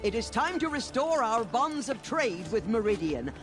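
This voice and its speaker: A woman's voice: a little high, sing-song, normal speed, over music. A woman playing a commanding tribal elder in a video game, declaiming ceremonially to an assembly. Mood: proclaiming.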